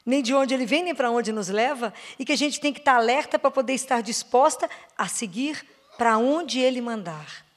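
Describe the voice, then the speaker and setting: In a church or parish hall, a Brazilian Portuguese-accented woman preaches with lively intonation to a parish prayer group. Key phrases sink to a soft, low voice, emphasized words slow down, and she keeps asking her listeners questions.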